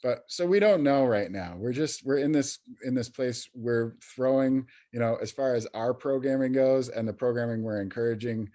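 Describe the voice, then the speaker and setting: A man's voice: mid-range voice, moderate pace, hardly any pauses, warm tone. A man speaking as a guest in a podcast interview, talking in a casual, hesitant way with many fillers and restarts. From New York State, USA. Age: adult in recovery, peer professional. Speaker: youth recovery program coordinator, guest.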